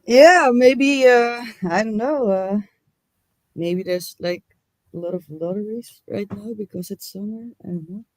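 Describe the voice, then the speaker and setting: A woman keeping a livestream host company, chatting in a relaxed, hesitant way with plenty of fillers. Her voice comes through dry and close, with no room sound. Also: medium pitch, unhurried, no echo. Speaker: livestream guest. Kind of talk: casual chat.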